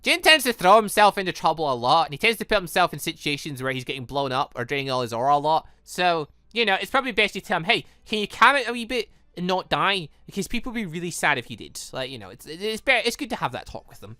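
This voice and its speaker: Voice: medium pitch, lively intonation, quick pace, few pauses, bright, forceful tone, no echo, clean studio sound. A let's-play host giving casual, rambling commentary on a visual novel, often stumbling over words. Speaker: gaming channel host reading and reacting to a visual novel.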